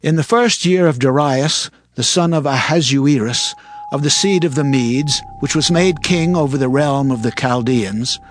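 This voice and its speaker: An actor playing a devout, humbly penitent prophet in dramatized scripture, with earnest, solemn, declamatory delivery. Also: male voice, mid-range voice, measured pace, dry recording, close to an everyday voice. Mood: solemn, recounting.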